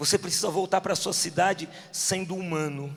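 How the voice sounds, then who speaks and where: A hoarse, put-on character voice at a moderate pace. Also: man. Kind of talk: preaching.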